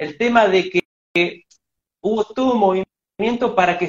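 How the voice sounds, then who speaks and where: A man is speaking. His pace is moderate. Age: 30s. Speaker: humanistic psychologist. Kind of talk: casual interview.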